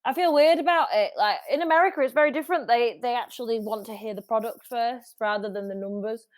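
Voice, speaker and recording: A woman's voice: a little high, fast talker, dry recording. Chatty woman in a dry room. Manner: chatty, restarts often, laughs easily. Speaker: music industry guest. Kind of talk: casual interview chat.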